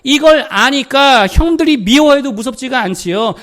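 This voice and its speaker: Middle-aged male pastor, high-pitched, preaching with insistent repetition and rhetorical questions. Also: animated, normal speed, a bit bright. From South Korea. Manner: emphatic preaching, repeats phrases and asks the congregation questions. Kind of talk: sermon. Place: church sanctuary.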